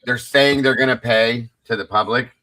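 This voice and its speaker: Lowish guy with a sharp bright voice, rambly panelist, dry sound. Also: fairly even intonation, normal speed, dry recording, poor audio. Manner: rambling, searches for words. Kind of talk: casual livestream chat.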